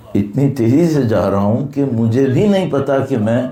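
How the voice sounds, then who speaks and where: Lively intonation marks a man's speech. The room adds audible echo. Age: 50s. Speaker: Shia cleric. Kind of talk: religious sermon (majlis).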